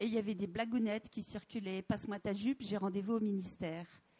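A woman with a medium pitch and a somewhat breathy voice speaks at a fairly quick pace, recorded with a dry, close sound and no echo. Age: 50s. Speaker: theatre director, translator and actress. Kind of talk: panel discussion.

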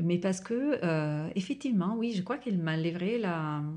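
Against a quiet background, a woman of medium pitch speaks at a fairly slow pace with lively intonation. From northern Italy, near Milan. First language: Italian (speaking French). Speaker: social worker. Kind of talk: interview. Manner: halting.

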